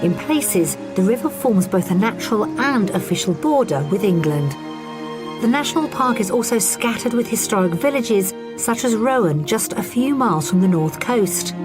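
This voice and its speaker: A woman presenter giving measured, informative scripted voice-over for a television property programme. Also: medium pitch, lively intonation. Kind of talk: scripted TV narration. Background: background music.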